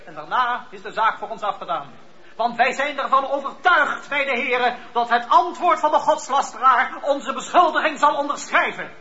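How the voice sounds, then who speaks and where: An actor playing a pompous, zealous accuser in court in a radio play, speaking in a declamatory way. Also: male voice, very high-pitched, normal speed, bright, forceful tone, exaggerated voice. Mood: righteous, pompous. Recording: dull radio play recording.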